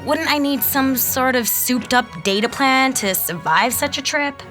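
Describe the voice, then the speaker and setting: A very high, bright schoolgirl of fifteen. She is excitable and cheeky in a sci-fi audio drama, with faint music behind her. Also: unhurried. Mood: incredulous, curious. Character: excitable, wisecracking fifteen-year-old schoolgirl from the future. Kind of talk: fiction podcast voice acting.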